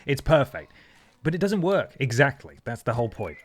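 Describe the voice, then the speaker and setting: A man hosting a live stream, chatting casually while playing a game, animated, laughing and swearing at it. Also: mid-range voice, normal speed, slight background noise. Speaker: streamer host.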